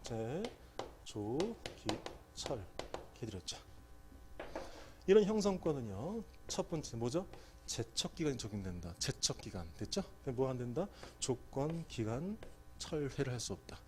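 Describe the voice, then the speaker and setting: A man's voice: medium pitch, very animated, normal speed, darkish tone, a little hiss or hum. A middle-aged man giving an exam prep law lecture, quizzing students and answering his own questions.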